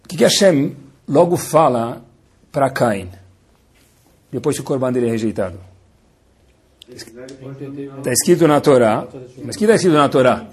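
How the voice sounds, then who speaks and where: A man's voice: mid-range voice, darkish tone, slightly rough. A man, a rabbi giving a playful, dramatizing Torah lesson to students and sprinkling in Hebrew terms.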